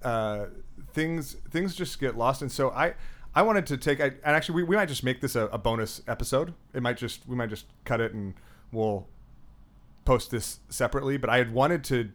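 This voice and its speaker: A man's voice: medium pitch, normal speed, fairly bright tone. A man hosting a podcast, talking casually and hesitantly, often restarting his sentences. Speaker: podcast host. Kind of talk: casual conversation.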